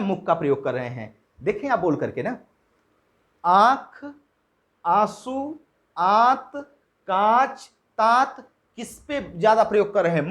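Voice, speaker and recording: A man giving a Hindi lesson in lecture style, asking his own questions and answering them, pausing to check in after each point. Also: high-pitched. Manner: drills example words slowly one by one. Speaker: Hindi teacher.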